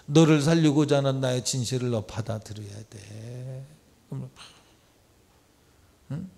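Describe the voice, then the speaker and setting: A man with a warm, gravelly voice preaches to his congregation at a church service. He talks to them plainly, rising to loud exhortation and then dropping to quiet asides. He acts out the voices of the people he quotes and keeps asking his listeners questions. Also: medium pitch, fairly even intonation, unhurried. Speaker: pastor. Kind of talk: midweek church sermon.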